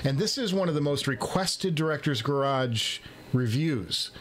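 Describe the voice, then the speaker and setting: A man hosting a headphone review show, chatting casually and excitedly to viewers, joking and repeating phrases for emphasis. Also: a little high, unhurried, slight background noise. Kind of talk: casual unboxing vlog talk to viewers.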